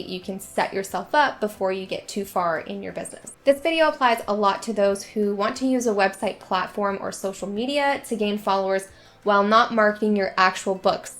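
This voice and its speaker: A young woman talks straight to her audience with a slightly raspy edge left over from a recent cold. Her delivery is chatty and upbeat, full of quick asides, and a faint bed of music plays underneath her. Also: mid-range voice. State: recovering from illness. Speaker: writing YouTuber. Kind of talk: sponsored video talk to camera.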